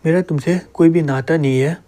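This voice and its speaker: A man's voice: fairly high pitch, fairly even intonation, fairly quick, warm tone, natural voice. A man voicing a worried young woman who pleads with the men around her. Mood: pleading.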